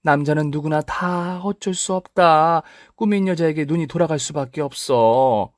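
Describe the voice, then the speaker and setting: A man's voice: on the high side, moderate pace, no echo, studio quality, pitched above the performer's own voice, close to an everyday voice. A man voicing an older mother who lectures her daughter and sides with the son-in-law. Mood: lecturing. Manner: lecturing, scolding.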